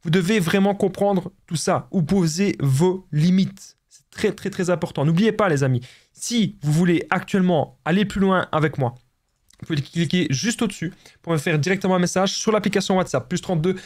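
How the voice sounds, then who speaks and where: Belgian coach, male, high voice; pushes the point, repeats himself, speaks to viewers as friends. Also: normal speed, a little mellow. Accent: Belgian French. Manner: emphatic, repetitive, addresses viewers as friends. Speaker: relationship coach. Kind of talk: direct-to-camera advice monologue.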